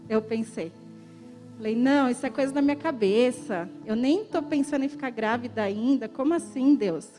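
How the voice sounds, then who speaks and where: A woman with a high, bright-pitched voice tells her personal testimony in a church. She speaks emotionally, laughs often and acts out the conversations she retells, with faint music underneath. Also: long reverb tail. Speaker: church member giving testimony.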